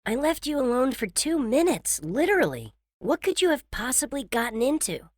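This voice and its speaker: A man's voice: extremely high pitch, big pitch swings, moderate pace, no echo, voice pushed up. A man voicing a stern, bossy young woman who scolds and lectures in an exasperated way. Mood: scolding.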